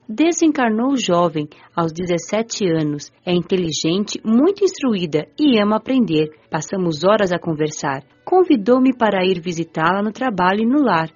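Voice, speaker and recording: A Brazilian-accented woman narrates a story in the first person. Her medium-pitched voice moves with very animated intonation. Faint music sits under the slightly dull recording. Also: moderate pace, hardly any pauses. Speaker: audiobook narrator. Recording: muffled lo-fi audio with music.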